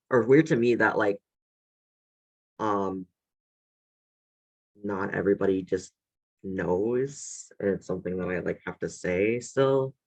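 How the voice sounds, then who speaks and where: A man's voice: fairly low pitch, creaky, dull audio. A young man on a student panel, speaking hesitantly with lots of filler words over a video call. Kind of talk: casual panel discussion.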